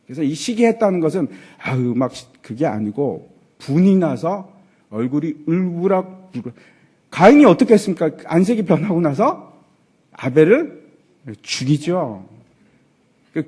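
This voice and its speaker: A pastor preaches to his congregation in a church with lively energy. The man's voice sits high and swings widely in pitch. It has a slightly husky edge. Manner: animated preaching with rhetorical questions to the congregation; acts out quoted lines in character voices. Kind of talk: sermon. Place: church sanctuary.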